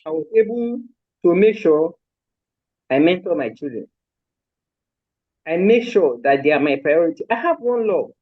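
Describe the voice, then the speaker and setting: An older woman from Lagos, speaking with a Nigerian accent, is a live-interview guest and a mother and grandmother recounting the raising of her children. Her fairly low voice has lively intonation at normal speed, broken by long pauses, and she is firm and emphatic, repeating points with force. The recording is dry and lo-fi.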